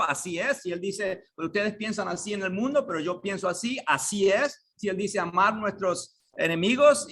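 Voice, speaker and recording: A man's voice: high-pitched, fairly bright tone. A man preaching an earnest sermon to a congregation in a church, pressing his point with rhetorical questions. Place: church sanctuary.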